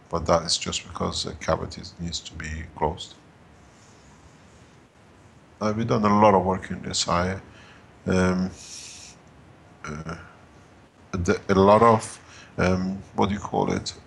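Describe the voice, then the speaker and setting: A man's voice: sits low, gravelly, fairly bright tone, a little hiss or hum. A man presenting at a workshop, explaining to a live audience while groping for words and restarting his sentences. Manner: halting, gropes for words and restarts.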